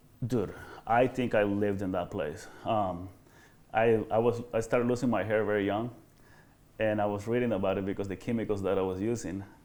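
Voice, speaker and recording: A man with a Spanish accent talks at a fairly quick pace, his pitch fairly low and his intonation fairly even. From El Salvador. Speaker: solar sales professional. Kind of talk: podcast interview.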